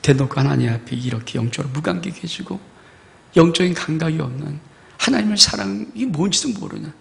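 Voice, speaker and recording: A man's voice: on the high side, lively intonation, brisk, creaky, big-room sound. A male pastor preaching a fervent sermon and reading scripture aloud to his congregation. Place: church sanctuary.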